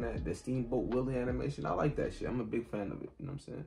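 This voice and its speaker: A man talking at a very fast pace, with clear music in the background. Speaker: reaction video creator. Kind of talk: casual reaction commentary. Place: home room. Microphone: phone near.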